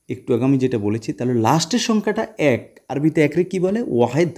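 A man's voice: mid-range voice, warm tone, breathy edge. A man teaching an Arabic lesson in a casual video, explaining step by step, asking questions and answering them himself, with English phrases mixed in. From Bangladesh.

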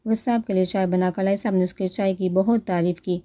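A woman narrating a romance novel aloud in a steady storytelling manner. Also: medium pitch.

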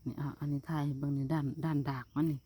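Isan lady vlogging outside on her phone, lowish voice, chatty, calls viewers brothers and sisters. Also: flat delivery, rapid-fire, mellow. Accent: Isan Thai. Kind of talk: casual outdoor vlog chat.

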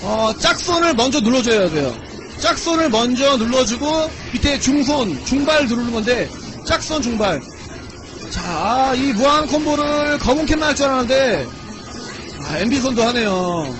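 A man giving excitable, exclamatory commentary on a fighting-game tournament, mixing announcer calls with casual chat. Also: extremely high pitch, moderate pace. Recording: loud background noise.

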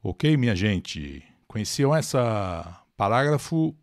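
In a slow-paced, lowish voice, an older Brazilian man with a Brazilian Portuguese accent teaches English live, his intonation very animated. He answers viewers' questions by name and explains patiently, with close, dry audio and no room echo.

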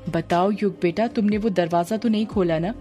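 Janki, a caring, gently pleading aunt, read by a woman. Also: mid-range voice, moderate pace, faint music behind, close to an everyday voice.

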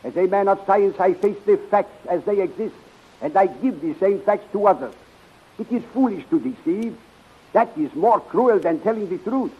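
A man acting a grave, patient scientist in a 1930s radio serial, husky and formal in his speech. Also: high-pitched, expressive. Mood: solemn, earnest. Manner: formal, measured, solemn. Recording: muffled 1930s radio recording.

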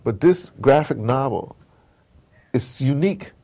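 Gravelly-voiced man talking emphatically in an interview. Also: mid-range voice, expressive, measured pace, mellow. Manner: emphatic, digressive, repeats phrases for emphasis. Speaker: interviewee, audio drama producer. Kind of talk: animated interview conversation.

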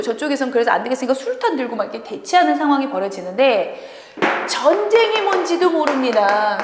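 A woman tutor lecturing students on a literary work in a chatty, animated way, laughing often between points, in what sounds like a classroom. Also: high-pitched, noisy background. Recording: echoey room with long reverb.

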